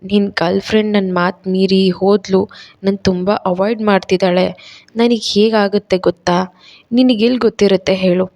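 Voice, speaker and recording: A woman's voice: medium pitch, steady tone, moderate pace, darkish tone, natural voice. Woman as a lovelorn young man, sulky and teasing.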